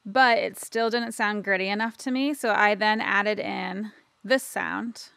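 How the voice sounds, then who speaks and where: A woman narrating a casual, informal software tutorial, explaining step by step and checking in as she goes. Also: mid-range voice, fairly even intonation, a little slow, vocal fry. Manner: informal, explanatory, frequent "right?" tags. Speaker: audio editing instructor.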